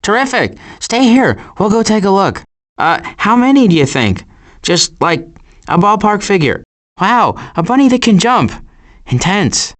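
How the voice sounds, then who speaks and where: A man voicing a sardonic, glib animal adventurer in an animated video game, with dry sarcasm and deadpan asides. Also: sits high, measured pace, full character voice. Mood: urgent.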